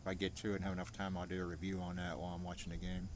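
A man's voice: low-pitched, monotone, racing. A man in his forties chatting casually to camera with a pipe in his mouth, outdoors on a back porch. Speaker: pipe vlogger. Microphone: camera at about arm's length. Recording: noisy home video.

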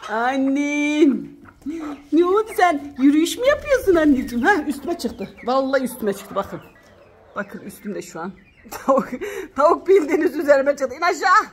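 A woman with a high, bright-sitting voice chatters away outdoors by a chicken coop, fussing over her hens and turning to her viewers. Her talk is exclamatory and affectionate, full of quick asides. Faint hiss and clucking hens sit behind her. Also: big pitch swings. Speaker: vlogger and backyard chicken keeper. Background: hens clucking nearby.

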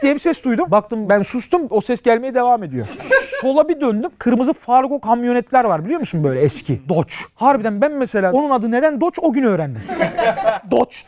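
A man's voice: very high-pitched, sing-song, brisk, darkish tone. A young man telling a comic childhood story on a talk show, acting out the voices of his family and strangers.

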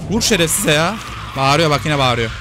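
A man giving casual let's-play commentary, excitable and shouting at the screen during a fight. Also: on the high side, brisk, background noise. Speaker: gaming youtuber. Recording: game music loud behind voice.

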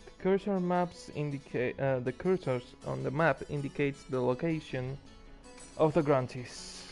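A man's voice: mid-range voice, measured pace, vocal fry, a little mellow, faint music behind. A man giving casual, sarcastic let's play commentary with some swearing. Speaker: gamer, let's play host.

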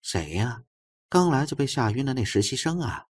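A man's voice: medium pitch, sing-song, moderate pace, breathy edge, no echo, studio quality, voice pushed up. A man voicing a blunt, sardonic female supernatural investigator in an audiobook, questioning and teasing.

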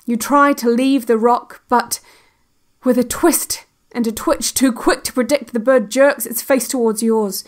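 An actress playing a calm, cryptic female narrator of an institute's relaxation cassette, speaking in deliberate, hypnotic phrases. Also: fairly high pitch, natural voice. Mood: calm, eerie. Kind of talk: scripted guided-meditation narration.

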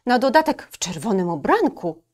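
A woman's voice: a little high, sing-song, normal speed, voice pushed up. A woman voicing a timid, easily frightened male wolf in a children's storybook reading, anxious and hesitant. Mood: fearful.

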